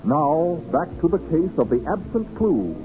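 An actor as a dramatic, urgent announcer narrating a 1940s radio crime serial. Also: male voice, a little high, big pitch swings, unhurried, loud music behind the voice. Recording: thin, phone-like 1940s radio recording.

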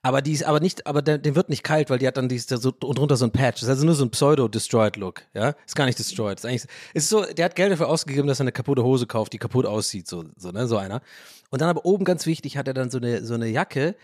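A man hosting a podcast, talking in a rambling, animated way, often interrupting himself and laughing. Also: medium pitch, fast talker, dry recording, clean studio sound. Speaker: podcast host. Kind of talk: casual podcast monologue.

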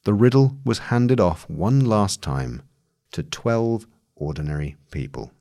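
Deep-voiced male narrator, expressive delivery. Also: measured pace. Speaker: narrator reading a long magazine article. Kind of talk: scripted long-form journalism narration.

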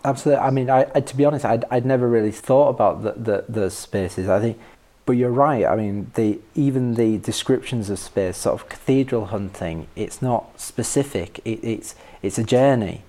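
A man speaking as a podcast guest in reflective personal conversation, thoughtful and halting as he searches for words. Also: mid-range voice, mellow. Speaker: podcast guest discussing a favourite poem.

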